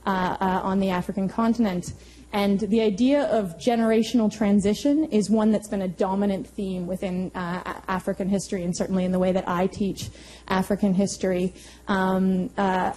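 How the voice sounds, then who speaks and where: A woman history professor giving thoughtful panel remarks to a university audience, pausing often to find her words. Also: medium pitch, warm tone, a little hiss or hum, rough recording.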